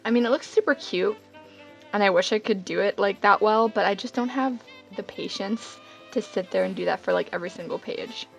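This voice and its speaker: A young woman with a hoarse, sickly voice narrating a casual journal setup, rambling and self-deprecating with lots of fillers. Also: medium pitch, brisk, soft background music, rough recording. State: hoarse, getting over being sick. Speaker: bullet journal vlogger.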